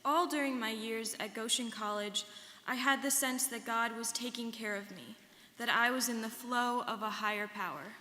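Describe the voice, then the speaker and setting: A young woman with a bright, raised voice plays a sincere alumna looking back on hardship. The stage reading is deliberate and projected, and it rings with long hall reverb. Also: a little high. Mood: heartfelt. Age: young adult. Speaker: student performer in a dramatic reading. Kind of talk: scripted first-person dramatic reading. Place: large hall.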